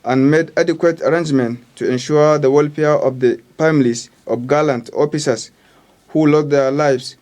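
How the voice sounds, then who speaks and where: Higher-pitched Nigerian male news reporter. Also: fairly even intonation, moderate pace, a little mellow.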